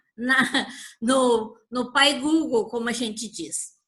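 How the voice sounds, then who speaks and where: A woman is speaking here. Her intonation is lively. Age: 60s. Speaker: network marketing trainer. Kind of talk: product training talk.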